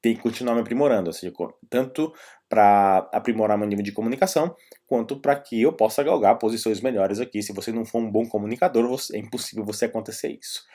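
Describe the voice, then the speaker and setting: A man vlogger with a Brazilian Portuguese accent talks fast in a lowish, mellow voice. He casually explains and recommends things, rambling conversationally and drifting into asides.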